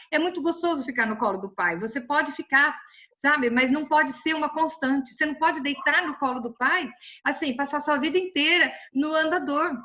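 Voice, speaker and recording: A woman with a Brazilian Portuguese accent teaching a Bible study in a colloquial, lively way, with playful asides. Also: high voice, dull audio.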